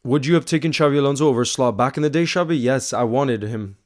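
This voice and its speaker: A young livestream host reads fan chat during a casual watchalong, talking fast in a mid-range voice. He's hyped and excited, calling viewers bro and filling his speech with lots of "you know."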